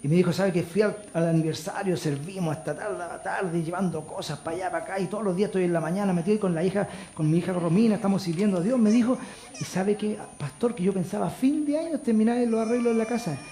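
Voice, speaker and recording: A man with a Chilean accent preaching a sermon as pastor, moving between loud calls to the congregation and quiet storytelling. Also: high-pitched, quick pace. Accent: Chilean Spanish. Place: church. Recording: echoey church hall.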